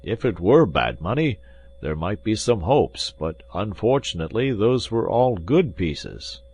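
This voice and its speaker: A man's voice: lowish voice, sing-song, unhurried, a little mellow, breathy edge, pitched above the performer's own voice, exaggerated voice. A man voicing a poor, fawning innkeeper who pleads and apologizes, read as a character in an audiobook. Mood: anxious. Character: poor fawning middle-aged male innkeeper.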